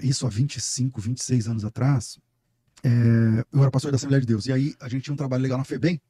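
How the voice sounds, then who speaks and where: Middle-aged Brazilian pastor as guest, quick and emphatic, warm husky tone. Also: male voice, medium pitch, steady tone, dry recording, clean studio sound. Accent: Brazilian Portuguese. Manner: emphatic, storytelling, preacher-like. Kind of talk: casual podcast conversation.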